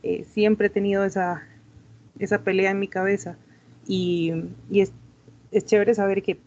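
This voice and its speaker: A woman's voice: mid-range voice, little pitch movement, unhurried, a little mellow, highs cut off, slight background noise. A woman student reflecting personally during a class discussion, often restarting her phrases as she thinks.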